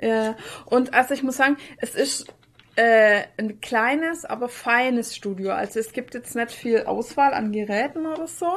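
A woman's voice: a little high, normal speed. A woman chatting casually and eagerly as a podcast co-host, often jumping in.

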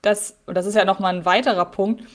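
A woman's voice: medium pitch, steady tone, fast talker. A woman co-hosting a podcast, chatting in a reflective way about an old audio drama episode she heard as a child. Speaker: podcast co-host.

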